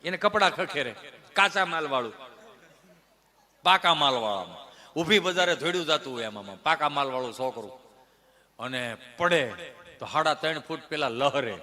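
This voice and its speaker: A man with a Kathiawadi Gujarati accent performing a stand-up comedy monologue, telling stories in an animated way and acting out family members. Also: fairly high pitch, normal speed, long pauses. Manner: animated storyteller who mimics family members.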